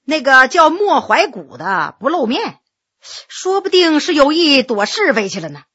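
A woman tells a historical story in a dramatic narration style. Her voice is high, bright and forceful, and it rises and falls a great deal as she speaks. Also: very animated, a little slow, lo-fi sound.

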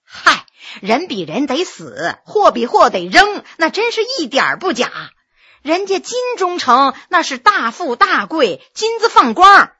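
A woman voicing a chatty, flattering middle-aged innkeeper woman who gushes and talks fast. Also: sits high, exaggerated voice. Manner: gushing and fast-talking.

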